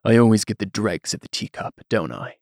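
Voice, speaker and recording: A man voicing a weary, stern overseer with quiet authority in a fantasy audiobook, low-key and softly growling. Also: very animated, fairly quick, vocal fry, dry recording, studio quality. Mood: wry.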